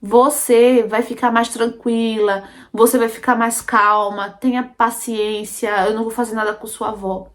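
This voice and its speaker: A woman voicing a smooth-talking, manipulative young male criminal who speaks in a soothing, coaxing way. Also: very high voice, flat delivery, a little slow, hardly any pauses, a bit bright.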